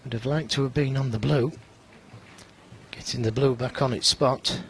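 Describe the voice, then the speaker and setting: Measured male snooker co-commentator. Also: mid-range voice, fairly even intonation, slight background noise. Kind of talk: sparse, conversational snooker commentary.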